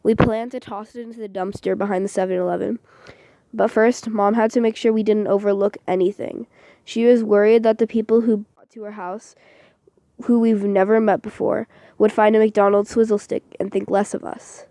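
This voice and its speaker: A woman giving a deliberate, expressive dramatic reading of first-person novel narration, as for a voice audition. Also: medium pitch, no room sound.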